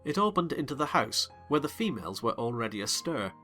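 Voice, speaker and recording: A man giving an expressive, measured dramatized reading of a classic novel. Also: mid-range voice, faint music behind. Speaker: narrator.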